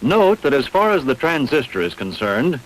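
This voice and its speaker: A man reading scripted instructional narration in a measured, didactic, carefully enunciated way. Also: mid-range voice, big pitch swings, poor audio. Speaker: training film narrator.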